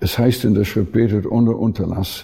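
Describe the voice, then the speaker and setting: At a moderate pace, a man speaks in a somewhat breathy, fairly low voice. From US Pacific Northwest, Washington State. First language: English (speaking German). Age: 80s+. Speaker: retired theology professor and missionary. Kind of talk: interview.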